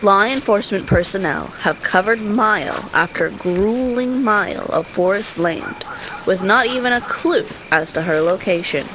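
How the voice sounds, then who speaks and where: An actress playing a somber female television field reporter, giving a measured, grave, dramatic news report. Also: mid-range voice. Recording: outdoor background noise with chirping crickets. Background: crickets and night insects.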